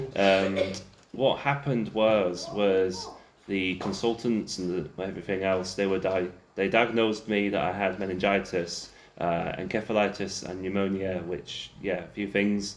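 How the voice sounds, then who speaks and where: Fairly slow, fairly evenly intoned speech from a man over noticeable background noise. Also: fairly low pitch for a man. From Yorkshire, northern England. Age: 30s. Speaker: musician and pastor. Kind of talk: interview. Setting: studio.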